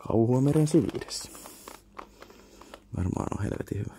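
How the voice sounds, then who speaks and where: A man's voice: mid-range voice, expressive, noisy background. A young man with a Finnish accent, muttering casual commentary to himself while browsing an indoor flea market, with half-whispered asides and offhand swearing.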